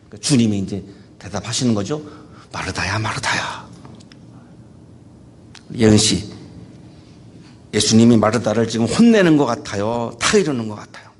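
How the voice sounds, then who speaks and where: A male pastor preaching a sermon at a university chapel, animated and playful, acting out quotes and calling on listeners. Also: on the low side, fairly quick.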